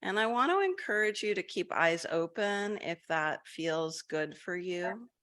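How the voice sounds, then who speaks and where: A woman guiding a group meditation, her low voice carrying a crisp, bright edge. She drifts gently from thought to thought, with soft fillers and restarts. She sounds like she is on a video call. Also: lively intonation, unhurried. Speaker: meditation guide.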